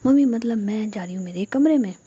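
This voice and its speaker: A woman's voice: medium pitch, fast, muffled recording, heavy background noise, lightly acted. A woman voicing a playful young woman in love, with a dramatic, sulky way of talking.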